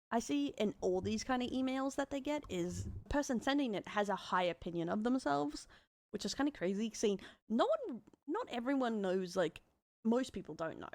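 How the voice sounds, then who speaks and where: A woman's voice: on the high side, a little mellow, dry recording. A woman with an Australian accent giving casual, rambling streaming commentary.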